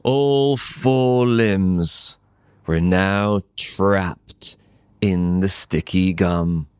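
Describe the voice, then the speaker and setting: A British man telling a story as an English teacher, with deliberate, simple phrasing and frequent pauses for learners. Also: low-pitched, a little mellow, clean tone, no echo, studio quality.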